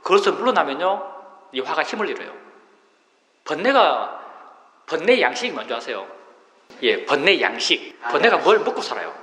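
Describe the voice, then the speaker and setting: Monk-teacher, middle-aged man; animated, bright delivery in a roomy hall with long reverb. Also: a little high, moderate pace, long pauses. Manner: patient explaining, rhetorical questions. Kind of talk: dharma talk.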